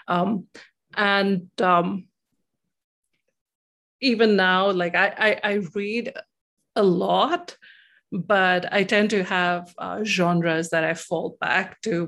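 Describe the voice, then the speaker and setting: Low-pitched, thoughtful woman. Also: vocal fry, a bit bright. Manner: thoughtful, hesitant, with frequent pauses and repeated words. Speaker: interviewee. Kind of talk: reflective interview talk about personal experience.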